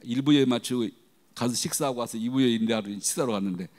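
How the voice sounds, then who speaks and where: A middle-aged man preaching a sermon as a guest pastor, telling stories animatedly and acting out the voices he quotes. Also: quick pace. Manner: animated storytelling, acting out quoted voices with big pitch jumps. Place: church sanctuary. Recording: long hall reverb.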